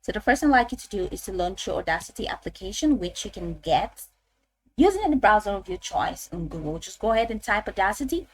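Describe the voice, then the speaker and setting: A woman narrating a step-by-step software tutorial in an informal, instructional way, often repeating her phrases. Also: mid-range voice, big pitch swings, fast, slight background noise, rough recording.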